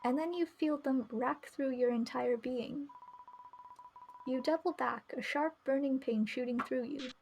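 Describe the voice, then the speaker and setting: High-voiced woman streaming a visual novel. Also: unhurried, gravelly, darkish tone, a little hiss or hum, poor audio. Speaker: game streamer. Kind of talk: live read-aloud narration with casual commentary. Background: faint music.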